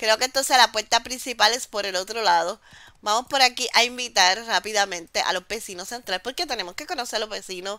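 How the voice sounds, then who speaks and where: Her tone is animated, bright and sharp, with ordinary pitch variation at a fairly quick pace. The woman is heard on a very clean recording against a silent background. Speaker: gaming youtuber. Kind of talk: gameplay commentary.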